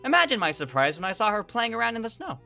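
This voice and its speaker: An actress playing a bewildered, exasperated kid, telling the story in dramatic first person in an audio drama. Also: female voice, medium pitch, sing-song, fast talker, creaky, pushed and bright, soft background music, exaggerated voice. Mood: brooding, narrating. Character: bewildered, exasperated young kid narrating an apocalypse ordeal.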